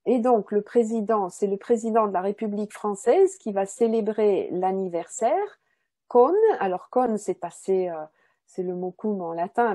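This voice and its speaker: A woman with a mid-range, dark-toned voice delivers a semi-spontaneous explanatory lecture as a language researcher. She teaches didactically, repeating key words and checking that her listeners are following. There's no echo on the recording.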